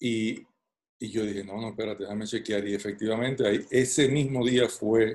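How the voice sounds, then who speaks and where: With a fairly low pitch, a man speaks at a moderate pace in a monotone, flat intonation. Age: 50s. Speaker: professor and podcast co-host. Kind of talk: casual chat.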